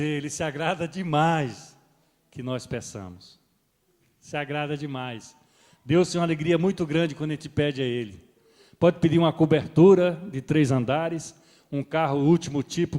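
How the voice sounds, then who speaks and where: A middle-aged man preaches from the pulpit in a fairly high voice. He swells loud on his points and then drops back soft. The sound trails off in the long reverb of a church hall. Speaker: pastor. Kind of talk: sermon.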